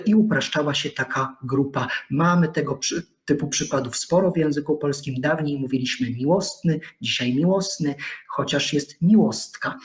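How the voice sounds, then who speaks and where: A middle-aged male lecturer talks his audience through an academic lecture. His voice sits a little high for a man. He speaks in a measured, deliberate way, pausing on hesitant fillers.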